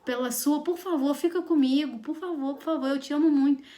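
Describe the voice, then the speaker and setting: A woman's voice: high voice, fairly quick, mellow, lightly acted. A woman acting out a young man pleading with a girl to stay with him, begging over and over. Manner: begging, repetitive.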